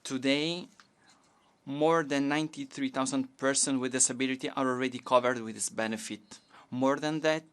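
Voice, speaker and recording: Woman minister, smooth resonant voice, slow careful formal delivery. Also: rumbling low, steady tone. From Portugal. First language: Portuguese. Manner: measured, halting delivery with restarts. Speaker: government minister giving a statement. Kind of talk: formal conference speech in a second language.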